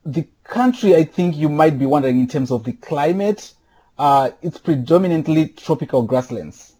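A man from Zimbabwe answers interview questions from home in a husky, mellow voice. He speaks thoughtfully, pausing often on fillers. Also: on the high side, animated. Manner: thoughtful, with many filler pauses. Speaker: podcast guest. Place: home during quarantine.

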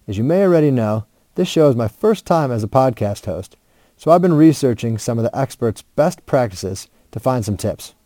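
A man's voice: mid-range voice, mellow, no echo, clean studio sound. A man hosting a casual interview podcast from home, friendly and a little self-deprecating, recording wrapped in a heavy blanket. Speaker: podcast host. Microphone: home podcast mic under a heavy blanket.

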